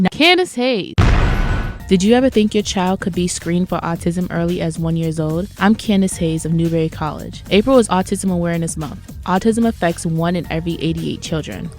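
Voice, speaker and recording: Low-pitched woman radio announcer. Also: darkish tone. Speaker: college radio reporter and announcer. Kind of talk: scripted radio news and announcements.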